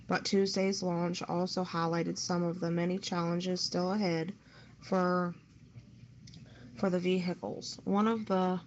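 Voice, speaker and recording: Low-voiced woman on muffled, noisy audio. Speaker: radio show co-host. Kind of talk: reading news, then casual discussion. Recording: muffled lo-fi audio with background noise.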